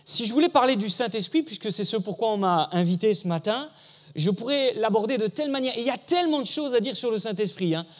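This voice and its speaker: A man's voice: sits high, expressive, fast. A man giving a sermon as guest preacher in a church, talking conversationally and engaging the congregation.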